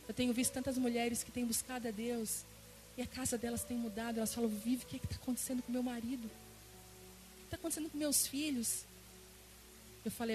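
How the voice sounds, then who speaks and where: A woman's voice: a little high, a little mellow, rough recording. A woman pastor from Brazil preaching a sermon in church, emotive, repeating words for emphasis and acting out her own prayers. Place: church service.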